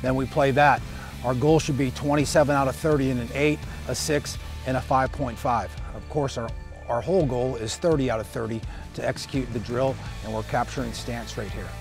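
Over clear music in the background, a man talks at a moderate pace, and the sound is dry with no echo. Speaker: shooting instructor. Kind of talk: tutorial. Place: open country.

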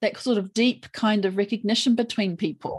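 A woman with an unremarkable speaking voice talks at a moderate pace, with a medium pitch and ordinary pitch variation. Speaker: lawyer and podcast host. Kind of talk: podcast interview, casual conversation.

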